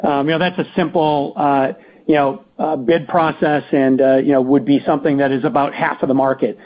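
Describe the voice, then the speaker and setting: A man speaking as a company executive answering questions on an earnings call, halting and often restarting his phrases. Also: a little high, little pitch movement, dull audio. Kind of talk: unscripted business Q&A on an earnings call.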